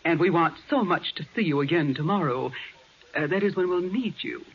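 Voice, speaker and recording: A woman's voice: fairly low pitch, a little fast, lightly acted. An actress playing a smug, cold-blooded female blackmailer who taunts in a 1940s radio crime drama. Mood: smug, taunting. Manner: taunting, self-satisfied. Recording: muffled, noisy 1940s radio recording.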